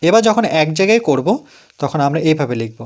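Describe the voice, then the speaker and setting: A man with a Bengali accent gives a step-by-step math lesson for young pupils. His voice sits somewhat high for a man, and he is patient, repeating numbers digit by digit so nobody gets lost. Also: sing-song, fast talker. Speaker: math teacher.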